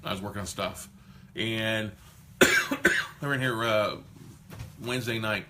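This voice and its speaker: A man hosts a casual live stream, pushing his viewers with loud, fired-up encouragement. His voice is bright and forceful, with a faint hiss in the background. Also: on the low side, takes it slowly. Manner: energetic, motivational, loud. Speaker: host.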